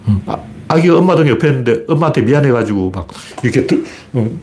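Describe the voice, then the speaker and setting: A man delivers a solo commentary in a blunt, plain-spoken manner. His pitch moves in lively swings while he argues. There is a faint ambient hiss behind him. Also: fast talker. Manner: blunt, colloquial, argumentative with rhetorical questions. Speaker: political commentator.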